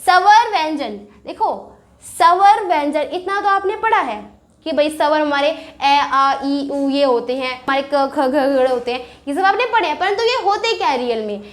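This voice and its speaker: A woman's voice: high-pitched, lively intonation, normal speed. A woman with an Indian accent teaching a casual grammar lesson, chatty, asking questions and answering them herself.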